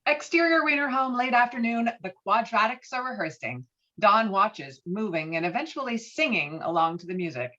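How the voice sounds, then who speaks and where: A woman's voice: a little high, expressive, normal speed, fairly bright tone. A woman narrating the stage directions of a script. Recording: dull lo-fi call audio.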